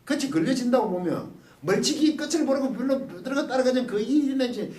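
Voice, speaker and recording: A man giving a lively Bible study lecture, asking the class questions and acting out quotes. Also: very high-pitched, quick pace. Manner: animated, asks the class questions, acts out quotes. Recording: roomy, mic at a distance.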